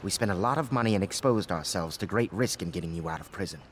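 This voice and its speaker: A man's voice: low voice, animated, fast talker, slight background noise. An actor playing an earnest, grave conspiring nobleman in a video game.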